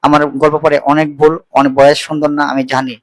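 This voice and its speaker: A man narrating a first-person story in a calm, plain reading voice, sometimes correcting himself. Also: on the high side, brisk, dry recording, poor audio. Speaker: story reader.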